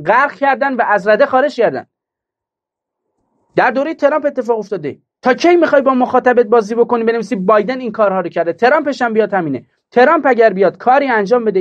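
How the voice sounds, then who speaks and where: A man's voice: high voice, highs cut off. A man delivering a political commentary monologue, emphatic and mocking, full of rhetorical questions.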